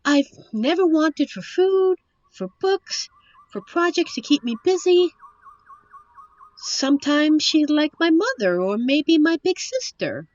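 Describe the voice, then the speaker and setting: A woman playing a captive young princess in a roleplay audio drama, witty and wistful, with genteel, formal storybook phrasing and thoughtful pauses. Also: high-pitched, big pitch swings, darkish tone, no echo, muffled recording, heavily acted. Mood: troubled, fond. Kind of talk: roleplay audio drama, one side of a dialogue.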